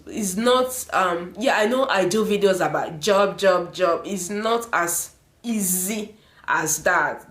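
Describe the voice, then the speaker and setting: Slow-talking woman vlogger, echoey room. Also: lowish voice, fairly bright tone. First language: not English. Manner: earnest, repeats herself, many um fillers. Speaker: immigration vlogger. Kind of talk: advice vlog to the camera.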